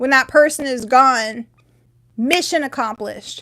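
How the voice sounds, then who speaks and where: Loud, high-pitched woman at a moderate pace with ordinary pitch variation, in a very clean recording with a silent background. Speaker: spiritual content creator. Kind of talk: casual livestream talk. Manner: casual, filler-heavy.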